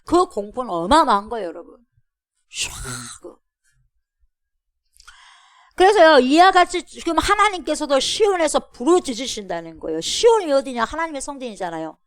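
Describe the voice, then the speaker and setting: Animated woman pastor preaching. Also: sits high, quick pace, hardly any pauses, no room sound, studio quality. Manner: animated preaching, calls out to the congregation, imitates a roaring lion. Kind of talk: expository sermon.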